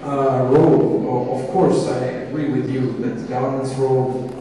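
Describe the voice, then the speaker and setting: A man's voice: mid-range voice, little pitch movement, normal speed, warm tone. Hesitant man in an echoey hall. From Georgia. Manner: hesitant, many restarts and fillers. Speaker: panelist. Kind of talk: panel discussion answer. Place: large conference hall. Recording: echoey hall, distant mic, audience.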